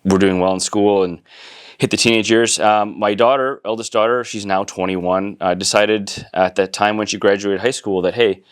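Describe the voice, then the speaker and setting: A low, smooth-voiced Canadian man in his forties talks through his story as an interview guest. He takes his time, with plenty of ums and self-corrections. His voice stays resonant and clear throughout. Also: moderate pace. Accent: Canadian English. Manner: relaxed, thoughtful, many fillers and restarts. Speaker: guest entrepreneur. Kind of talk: casual interview conversation.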